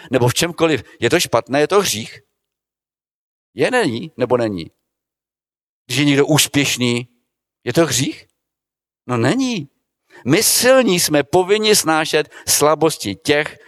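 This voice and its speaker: Male preacher, sermon, rhetorical questions, loud then hushed, middle pitch, dry sound. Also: dry recording. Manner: rhetorical questions, swings between loud emphasis and quiet asides.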